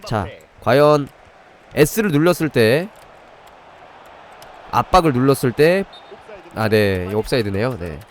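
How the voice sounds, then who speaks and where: A man with a mid-range voice hosts a live game stream, speaking slowly with lively intonation and frequent pauses. He guides viewers through things step by step and breaks off to chat with them while reviewing the game. There's slight background noise.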